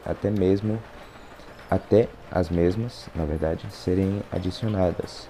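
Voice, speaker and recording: Soft-spoken and fairly low-pitched, a man talks at a very slow pace with ordinary pitch variation over noticeable background noise. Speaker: gaming youtuber. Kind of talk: gameplay commentary voiceover. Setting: home recording at night. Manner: quiet, low volume. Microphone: room echo.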